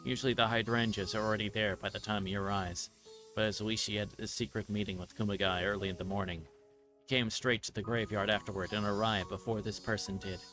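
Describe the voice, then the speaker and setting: A man with a fairly low voice reads visual novel narration aloud on a livestream. He occasionally stumbles over his words as he goes. Soft game music plays behind him. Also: little pitch movement, fast talker, rough recording.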